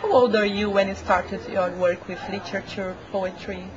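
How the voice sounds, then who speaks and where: A woman's voice: medium pitch, level tone, normal speed, crowd noise. A woman interviewer from Brazil, asking polite, careful questions. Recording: dull sound with faint noise.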